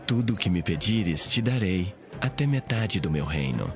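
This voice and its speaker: Boastful biblical king for audio Bible drama, male actor, low-voiced and declamatory, music behind. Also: sing-song, moderate pace. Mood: lavish, grand. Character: boastful biblical king making a lavish promise.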